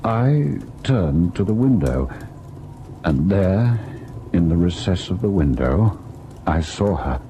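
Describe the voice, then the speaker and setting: A haunted husband in an old radio ghost story. The voice is very low and unhurried, grave and measured, on a noisy vintage recording. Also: male voice, sing-song, warm tone, heavily acted. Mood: tense. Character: haunted husband Harry, recalling and reliving a ghostly horror. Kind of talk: old-time radio ghost story acting, narrating and in scene.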